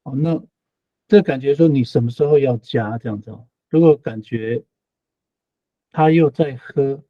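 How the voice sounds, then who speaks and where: A man's voice: mid-range voice, breathy edge, no room sound. Man, online language teacher, patient, repeats himself, dry muffled recording. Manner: patient explaining, repeats phrases, frequent tag particles.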